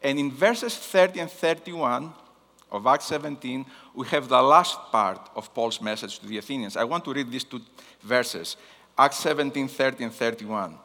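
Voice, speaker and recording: Man, Greek accent, non-native speaker, sermon delivery, forceful bright tone, deliberate emphasis, long hall reverb. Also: medium pitch, lively intonation. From Greece. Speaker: guest missions preacher. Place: large hall, speaking to a congregation.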